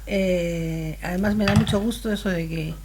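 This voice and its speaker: A woman in her sixties, born in Spain, talking as an interview guest in a relaxed, thoughtful way and pausing to search for her words. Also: lowish voice, slight background noise.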